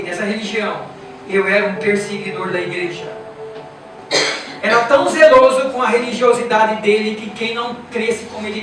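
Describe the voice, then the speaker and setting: A man's voice: sits high, recorded from a distance, background noise. A Brazilian man preaching a sermon with a Brazilian Portuguese accent, emphatic and repetitive, putting rhetorical questions to his congregation. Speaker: pastor. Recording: echoey church from afar with music.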